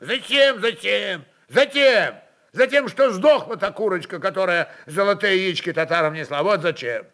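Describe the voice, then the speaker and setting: A man plays a rude, quarrelsome Cossack in an audio drama. His voice is raised and lively, with gruff, mocking retorts as he haggles. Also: sits high, moderate pace, voice pushed up. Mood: scornful, threatening.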